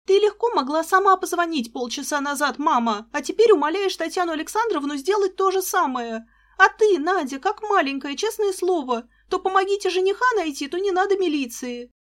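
A woman voicing a sharp-tongued young woman who speaks with reproach and irritation. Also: high voice, expressive, a little slow. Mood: reproachful.

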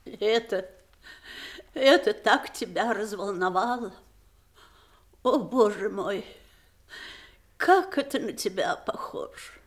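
A woman's voice: medium pitch, expressive, slow pace, long pauses. An actress playing an imperious, bitter widowed mother who scorns her grown children, theatrical and cutting in an audio stage drama. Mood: scornful reproach.

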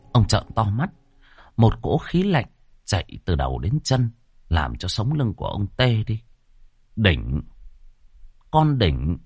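A man narrating a ghost story in an expressive, dramatic way. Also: lowish voice, husky, no echo.

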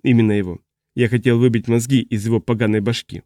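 Confused man who forgot everything, halting and fretful, low dark voice, read by a man. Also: fairly even intonation, no echo, natural voice. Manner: fretful, halting, trailing off mid-sentence. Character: confused, agitated man who has lost his memory. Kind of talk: audiobook character reading.

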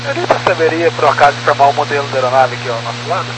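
A man's voice: on the high side, very fast, over loud music. A Brazilian man speaking as an airline pilot over a cockpit headset radio, in exchanges that are partly casual. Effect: pilot cockpit headset radio transmission. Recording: noisy aviation radio with mains hum.

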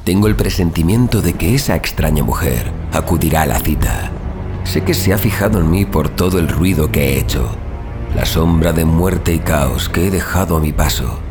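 Over music in a horror audio drama, a man voices a gleefully sadistic undead killer recounting his murders with theatrical, sardonic menace, gloating and nostalgic. His voice rumbles low with lively intonation at normal speed.

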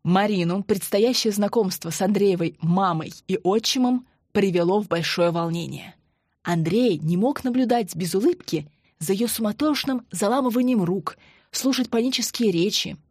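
A woman narrating an audiobook in an even, measured way. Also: mid-range voice, husky, dry recording, clean studio sound. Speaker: audiobook reader.

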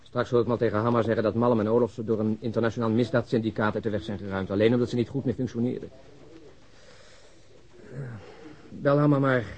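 Male actor as skeptical cop, gruff, sardonic, fast-talking, radio drama, dull recording. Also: mid-range voice, steady tone, a little mellow, natural voice. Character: gruff, skeptical male police detective, grudgingly following along. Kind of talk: Dutch radio drama acting.

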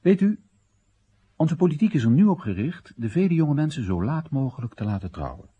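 A man's voice: fairly high pitch, big pitch swings, a little fast, dark tone, husky, dull audio. An actor playing a wry Chinese everyman who narrates and questions his country's policies in a radio drama monologue, ironic, rhetorical and theatrical. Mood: ironic, indignant.

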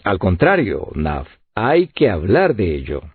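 A man's voice: sits low, huge pitch swings, unhurried, husky, no echo, voice pushed down, heavily acted. A man voicing an earnest, polite young hunter in a tinny, lo-fi audiobook recording.

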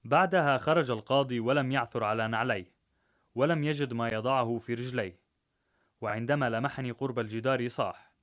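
A man's voice: mid-range voice, fairly bright tone. Man narrating a rhymed story. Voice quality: measured, rhythmic.

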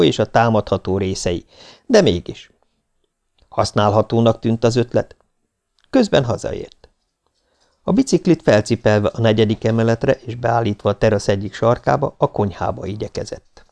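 A man narrating an audiobook in a calm, even storytelling manner. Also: on the low side, vocal fry. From Hungary. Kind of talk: scripted narration.

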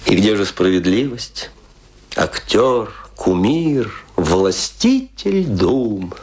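An actor playing a lonely, embittered, hard-drinking stage actor in a radio play, declaiming theatrically and broodingly with a husky voice. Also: male voice, lowish voice, big pitch swings, a little mellow, full character voice. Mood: melancholy, self-pitying. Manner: declamatory, brooding, with rhetorical questions and long pauses. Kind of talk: theatrical dramatic monologue, Russian radio play.

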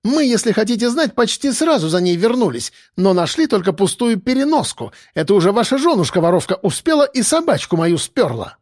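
A man voicing a shrill, brash, quarrelsome woman who yells indignantly, in an audiobook. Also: sing-song, a little fast, few pauses, no echo, studio quality. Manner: screeching, indignant, yelling.

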